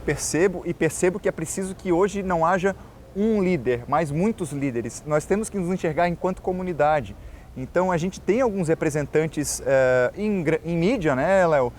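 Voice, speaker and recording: Manezinho-accented man, high and earnest. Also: lively intonation, moderate pace, a little mellow, a little hiss or hum. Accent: Florianópolis manezinho accent. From Florianópolis, Brazil. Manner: earnest, explanatory, addresses the host by name. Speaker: tour guide and journalist guest. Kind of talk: casual interview talk.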